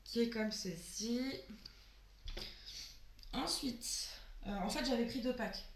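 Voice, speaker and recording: A sick woman with a hoarse voice, chatting casually through a haul of nail polishes and trailing off with fillers. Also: fairly high pitch, slow pace, reverberant, a little hiss or hum. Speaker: beauty vlogger.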